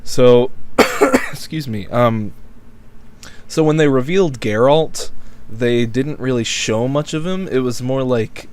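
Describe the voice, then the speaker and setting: A man's voice: mid-range voice, slow, noisy background. A man co-hosting a casual game podcast who rambles through his points with lots of fillers and restarts, hiccuping now and then. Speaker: podcast co-host. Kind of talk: casual chat.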